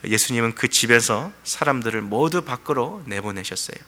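A man preaching from a church pulpit in a bright, forceful voice. He tells the story in lively sermon style, often pausing on fillers. His voice rings with the long reverb of the sanctuary. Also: medium pitch. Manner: storytelling preaching with frequent fillers and shifting emphasis. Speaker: pastor.

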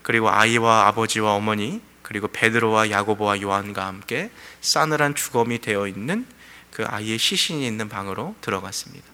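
Male pastor preaching in church, bright forceful voice, long hall echo, storytelling with lots of fillers. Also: on the low side, fairly quick. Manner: storytelling preaching with frequent fillers and shifting emphasis. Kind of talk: sermon. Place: church sanctuary.

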